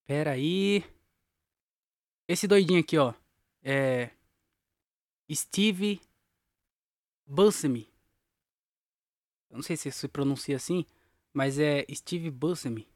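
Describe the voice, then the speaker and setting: A young man hosts his podcast solo, spinning a long, rambling story in slang and laughing at himself. His voice is on the high side and slow, with long pauses, captured in a dry, clean studio recording.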